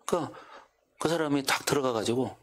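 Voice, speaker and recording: A man's voice: medium pitch, a little fast, fairly bright tone. A male pastor preaching a sermon in church, asking the congregation one rhetorical question after another and acting out what neighbors might say. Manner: acts out quoted neighbors in his own voice. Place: church sanctuary.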